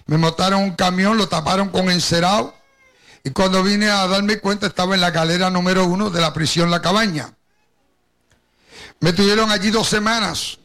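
Older male preacher, Caribbean Spanish accent, high and very crackly voice, tells his testimony straight to the congregation. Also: steady tone, moderate pace, fairly bright tone. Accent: Caribbean Spanish, Puerto Rican with Cuban influence. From Puerto Rico. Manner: storytelling, addresses the congregation directly. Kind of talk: sermon with personal testimony.

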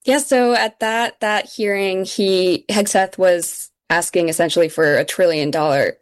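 A woman's voice: on the low side, fairly even intonation, measured pace. A young woman from Minnesota, speaking earnestly as an interview guest, with frequent ums and restarts. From Minnesota, United States. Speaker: guest, communications director of an advocacy group. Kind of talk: interview conversation.

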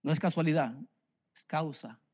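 A man's voice: fairly high pitch, moderate pace, a little mellow. A middle-aged man from Mexico with a Mexican Spanish accent, preaching a sermon earnestly and repeating phrases for emphasis. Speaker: pastor.

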